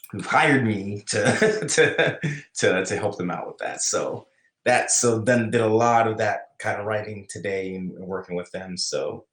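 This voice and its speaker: A man's voice: low-pitched, fairly bright tone. A man with a New York accent, chatting casually on his live writing stream, rambling with many restarts as he answers chat. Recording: echoey room.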